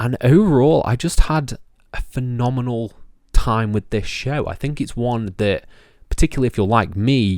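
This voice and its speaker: A man with a Stoke accent and a medium pitch speaks at a moderate pace with ordinary pitch variation, in a very clean recording with a silent background. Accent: Stoke-on-Trent (Potteries) accent, noticeable. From England, Stoke-on-Trent. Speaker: wrestling reviewer, YouTuber. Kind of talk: solo video review. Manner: enthusiastic, animated.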